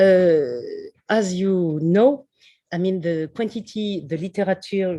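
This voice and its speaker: She speaks with a French accent and a dark, mellow tone. Her pitch varies in an ordinary way. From France. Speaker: development economist. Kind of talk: academic seminar talk. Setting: video call. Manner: halting, many fillers and repeats.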